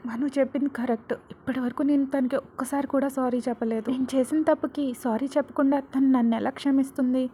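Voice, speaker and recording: A woman's voice: sits high, steady tone, quick pace, few pauses, dark tone, slight background noise, natural voice. A woman voicing a brash, teasing young man, the hero of a Telugu storybook serial. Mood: resolved. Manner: cocky, teasing.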